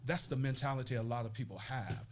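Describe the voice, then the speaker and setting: A Nashville life coach talks quickly in a mid-range voice while being interviewed in a casual conversation. Earnest and reflective, he keeps restarting as he goes.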